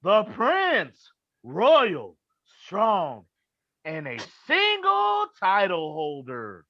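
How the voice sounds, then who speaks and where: A man's voice: sits high, huge pitch swings, drawn-out words, no echo, full character voice. A man playing a cocky, boastful wrestling prince who taunts through a theatrical promo, in lo-fi audio. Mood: grand.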